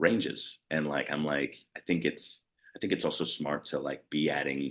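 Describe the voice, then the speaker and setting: With an American accent, a man speaks at a very deep, low pitch. His pace is fairly slow, with vocal fry. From US Midwest, north side of Chicago. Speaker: actor and composer. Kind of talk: interview. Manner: halting.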